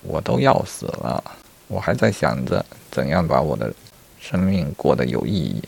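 A man's voice: extremely low pitch, big pitch swings, normal speed, gravelly, a little mellow, husky, full character voice. A man telling a story and voicing a talkative male rabbit who reasons earnestly about the meaning of his life before death. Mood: earnest musing.

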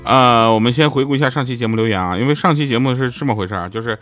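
Man, comedic podcast host, self-deprecating, laughing, medium pitch, music underneath. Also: racing. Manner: joking, self-mocking, laughs often. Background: background music.

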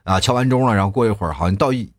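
A man in his thirties reading out viewer comments in casual chat, often shouting quoted lines in exaggerated voices. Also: fairly low pitch, rapid-fire, no room sound, clean studio sound. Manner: chatty, acts out quoted lines loudly.

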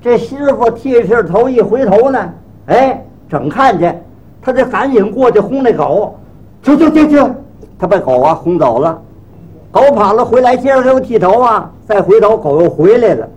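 Animated husky-voiced male comic storyteller. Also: high-pitched, moderate pace, poor audio. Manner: lively, exasperated comic narration. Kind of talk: comic crosstalk monologue.

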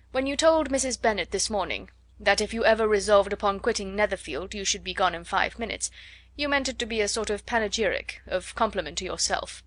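A woman reading as a proud, curt gentleman. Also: medium pitch, no echo, close to an everyday voice. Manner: curt, measured, coolly reasoning. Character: proud, reserved gentleman, cool and exacting.

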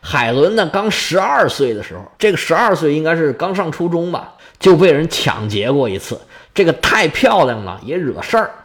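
A man narrates a story casually, as if chatting with friends. His voice sits slightly high and jumps around animatedly in pitch. He drags out little particles between phrases. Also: big pitch swings, normal speed, hardly any pauses, a bit bright.

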